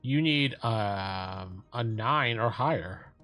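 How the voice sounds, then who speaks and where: A man's voice: fairly low pitch, takes it slowly, bright, forceful tone, faint music behind. A man running a tabletop game as game master, joking and laughing often as he narrates. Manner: jokey, laughs often, slips into silly voices.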